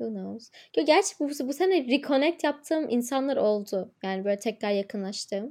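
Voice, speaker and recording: A woman's high voice with very wide pitch swings, on a very clean recording with a silent background. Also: moderate pace. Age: 20s. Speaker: podcast co-host, architecture student. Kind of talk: casual chat.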